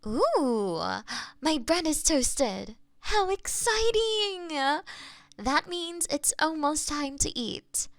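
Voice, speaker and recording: A woman's voice: high voice, very animated, extremely slow, dry recording, clean studio sound, exaggerated voice. A woman playing a doting, playful cat owner in an intimate roleplay, cooing affectionately at her pet. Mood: excited, affectionate. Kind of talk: roleplay audio, intimate one-sided scene. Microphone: close binaural microphone.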